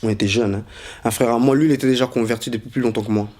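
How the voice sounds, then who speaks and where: A man's voice: medium pitch, fairly even intonation, very fast, darkish tone. A man in his twenties from Congo, raised in Brussels, telling his own story hesitantly with many fillers. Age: 20s. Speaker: interviewee. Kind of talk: personal testimony, unscripted.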